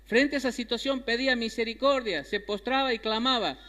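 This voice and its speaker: A man's voice: extremely high pitch, a little fast, pushed and bright. A man preaching a sermon, emphatic, repeating key phrases and asking his listeners questions. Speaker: pastor. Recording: long hall reverb.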